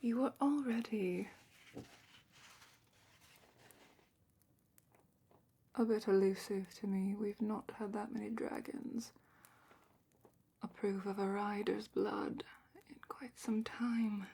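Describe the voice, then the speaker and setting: A woman playing a calm, thoughtful dragon curator in a whispered ASMR fantasy roleplay, speaking softly and breathily with measured, musing pauses. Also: medium pitch, creaky, slightly rough. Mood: gentle, advising.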